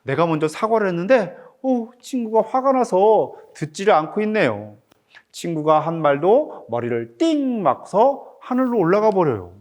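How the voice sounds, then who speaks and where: Reading his own picture book to children at a normal pace, this middle-aged author has a high-pitched voice. His manner is lively, like a teacher's, and he keeps putting questions to the kids.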